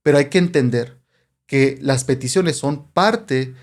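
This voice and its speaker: A man's voice: medium pitch, measured pace. A man hosting a Christian podcast, explaining prayer in an earnest, conversational way, often restarting his phrases. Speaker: podcast host.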